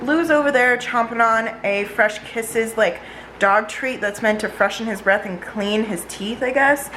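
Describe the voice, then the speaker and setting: A woman's voice: a little high, measured pace, bright, forceful tone, slight background noise, low-quality recording. A woman vlogger chatting casually and informally to her viewers in a day-in-the-life style.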